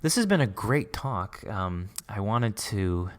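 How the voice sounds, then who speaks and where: A male podcast host talks casually with a guest in a fairly low voice. He is effusive and encouraging in how he speaks. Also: very animated, slow pace. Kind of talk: casual interview chat.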